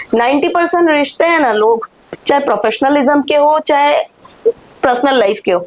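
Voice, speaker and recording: Noticeable background noise surrounds a woman's high voice. Her intonation is lively. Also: very even loudness. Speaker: former corporate manager, podcast guest. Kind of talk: interview conversation. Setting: live podcast. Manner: loud; animated.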